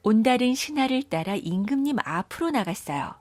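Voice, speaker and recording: A woman narrating children's folktales in a gentle, measured storytelling manner. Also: a little high, big pitch swings, no echo.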